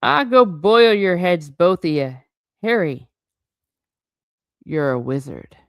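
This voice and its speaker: A woman voicing a big, gruff, blustering male half-giant gamekeeper from a storybook, with booming, indignant, folksy speech. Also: sing-song, slow, no room sound, clean studio sound, heavily acted. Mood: hearty. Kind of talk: storybook character voice.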